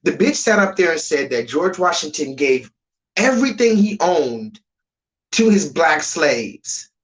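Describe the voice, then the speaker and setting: A man ranting on a live stream, profane and rambling, jumping between loud high outbursts and low muttered asides. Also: sing-song, unhurried, low-quality recording. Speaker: livestreamer.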